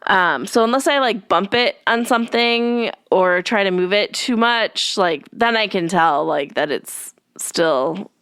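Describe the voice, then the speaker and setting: A woman's voice: medium pitch, a little slow, hardly any pauses, fairly bright tone, clear, resonant tone, dry recording. A young woman hosting a podcast in a loose, chatty way full of fillers, sounding a little stuffy from allergies. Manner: rambling, filler-heavy, friendly. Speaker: podcast host. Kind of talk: casual chatty podcast talk.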